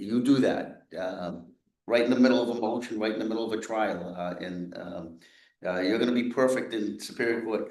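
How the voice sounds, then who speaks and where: A man's fairly low pitch with ordinary pitch variation, a fairly quick pace and audible room echo. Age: 60s. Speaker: government councillor. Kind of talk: public hearing remarks. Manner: halting, many fillers.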